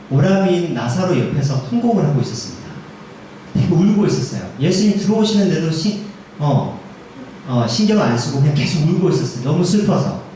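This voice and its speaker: A man's voice: a little high, warm tone, a little hiss or hum. A man, a junior pastor, preaching a sermon in a church in a conversational way, often putting questions to the congregation. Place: church sanctuary. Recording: echoey church hall, mic far off.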